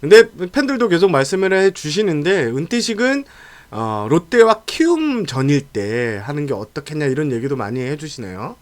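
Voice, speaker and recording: A man hosting a sports talk show, speaking colloquially in a lively, casual way with frequent interjections. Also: a little high, moderate pace, no echo.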